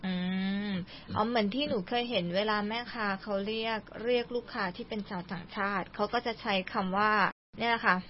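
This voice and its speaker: A woman's voice: mid-range voice, fairly even intonation, brisk, hardly any pauses, slight background noise. A young woman hosting a language lesson, chatty and asking her guest lots of prompting questions, on a dull lo-fi recording. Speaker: host. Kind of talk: radio-style lesson chat.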